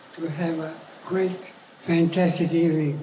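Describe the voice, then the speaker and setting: Noticeable background noise accompanies speech that runs at a fairly slow pace. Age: 90s. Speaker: musician being inducted into hall of fame. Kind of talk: acceptance speech.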